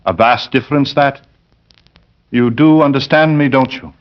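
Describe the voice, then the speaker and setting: Male actor voicing a menacing pious lodger, mid-pitched, for 1940s radio drama, muffled vintage sound. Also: close to an everyday voice. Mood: sanctimonious. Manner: slow, sanctimonious, menacing. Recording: dull vintage radio recording.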